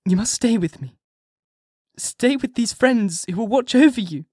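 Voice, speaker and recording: A man voicing a terrified young wife who pleads and sobs in a high, strained voice, in a dry storybook reading. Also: lively intonation, unhurried, a little mellow, husky, no room sound, full character voice. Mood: frantic pleading.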